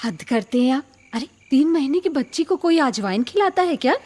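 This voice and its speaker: A tired, protective mother in a radio play. Her high voice moves expressively as she pleads and gently reproaches. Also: expressive, normal speed. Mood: reproachful. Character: weary, protective wife and mother of a baby. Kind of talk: Hindi radio drama acting.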